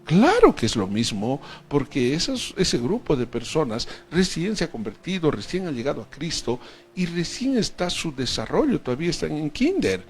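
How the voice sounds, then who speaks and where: A man teaching a discipleship Bible lesson, reading scripture slowly with emphasis and dropping in tag questions to his listeners. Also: on the high side, very animated, a little hiss or hum.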